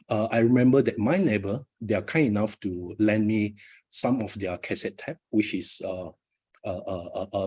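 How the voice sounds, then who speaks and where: A man's voice: fairly low pitch, darkish tone, slightly rough. A middle-aged Malaysian man, a Malay native speaker, giving a live motivational talk at his book launch with frequent fillers and repeated words.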